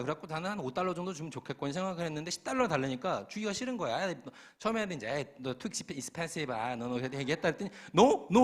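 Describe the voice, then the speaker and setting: Young man preaching to a youth group, pitch swinging high and low, talks fast, slightly high voice, acts out the voices in his story. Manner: animated storyteller acting out voices, with laughs. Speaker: pastor. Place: church hall.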